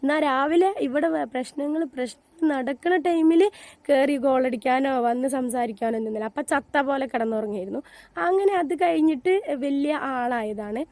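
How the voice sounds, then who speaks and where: An indignant woman tells her side in a high but mellow voice, coming back to the same points over and over. The sound is dry and close to the mic. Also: moderate pace, no room sound. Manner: indignant and repetitive. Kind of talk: heated personal account.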